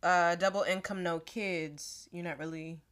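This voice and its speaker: A woman's voice: lowish voice, steady tone, unhurried, a bit bright. A woman co-hosting a casual podcast, frank and teasing, who laughs often as she talks. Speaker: podcast co-host. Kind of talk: casual conversational podcast chat.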